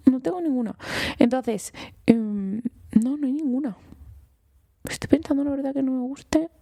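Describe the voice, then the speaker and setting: A woman doctor with a Spain Spanish accent hosts an informal health podcast. Her voice has a gravelly edge and a mellow, dark tone, and the sound is dry and close. She talks in an eager, chatty way, speaking straight to her listeners. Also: high-pitched, moderate pace, no room sound. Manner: enthusiastic and chatty, addresses listeners directly. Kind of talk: informal educational podcast talk.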